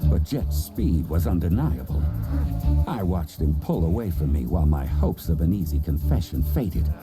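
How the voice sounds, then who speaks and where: A man playing a gruff crocodile detective who narrates his case in melodramatic, flowery audio-drama style. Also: extremely low pitch, animated, normal speed. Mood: wistful, dramatic. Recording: loud music under the voice.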